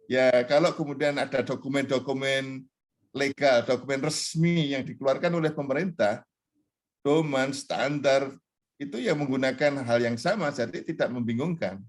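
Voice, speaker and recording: A man's voice: medium pitch, normal speed. A middle-aged man, a university lecturer, explaining terms in a discussion, often repeating phrases and mixing in English words. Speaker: university lecturer, interview guest.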